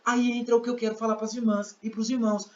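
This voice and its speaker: A man's voice: extremely high pitch, flat delivery, fast talker. Man, Brazilian Portuguese accent, teaching a class, roomy echo, dull lo-fi sound. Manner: explains with examples, acts out scenes. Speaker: sign language interpreting teacher. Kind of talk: classroom lesson.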